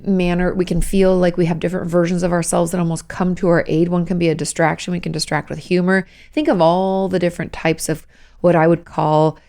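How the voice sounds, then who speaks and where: A hoarse woman, hosting a casual advice podcast as a therapist and explaining things patiently with frequent "okay?" check-ins. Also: lowish voice, flat delivery, brisk, dark tone. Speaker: host, licensed therapist.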